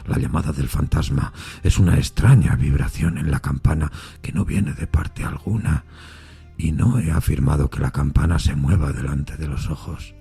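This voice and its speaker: Man performing as troubled railway signalman, earnest, deferential, haunted, hushed, heavily breathy, deep, audio fiction. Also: moderate pace, faint music behind, full character voice. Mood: grave, hushed.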